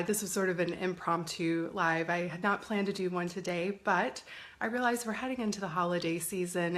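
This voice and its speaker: Slightly hoarse woman chatting on a live stream. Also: mid-range voice, fairly bright tone. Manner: chatty, greets viewers by name. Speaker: lifestyle coach hosting a live stream. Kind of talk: casual live-stream talk. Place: indoors at a family home. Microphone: phone or webcam live stream.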